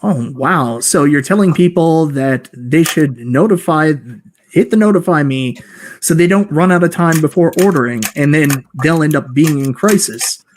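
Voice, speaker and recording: Male live-show host, enthusiastic, fairly high pitch, keeps things moving. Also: normal speed. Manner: upbeat, enthusiastic. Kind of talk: live-stream hosting.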